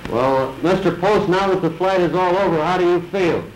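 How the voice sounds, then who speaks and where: A man's voice: high-pitched, moderate pace. A man conducting a formal, polite 1930s newsreel interview as the questioner. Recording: echoey 1931 newsreel with faint noise.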